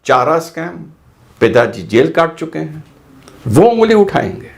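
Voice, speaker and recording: A man giving heated political commentary, combative and firing off rhetorical questions and rapid lists. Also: on the high side, sing-song, creaky.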